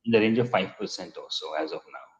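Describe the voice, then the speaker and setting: A man, a company executive giving measured, businesslike answers on an earnings call. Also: low-pitched. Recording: muffled conference-call line.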